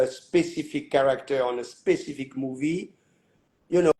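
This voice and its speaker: A man hosting a live online interview, talking in a halting way with many fillers and restarts. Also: on the high side, vocal fry, darkish tone. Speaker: host.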